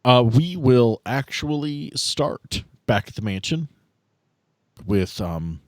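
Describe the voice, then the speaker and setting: Teasing game master, medium-pitched man. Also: sing-song, slow pace, no room sound, clean studio sound. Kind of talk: casual chat and improvised game narration.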